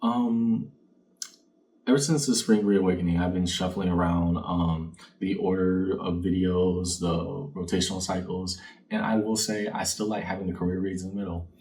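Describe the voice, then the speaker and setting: Low-voiced man reading tarot, slightly distant. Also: fairly even intonation, moderate pace, darkish tone. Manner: reflective, addresses listener directly, rhetorical questions. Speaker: tarot card reader, channel host. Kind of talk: conversational fortune-teller card reading. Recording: distant mic, faint background noise.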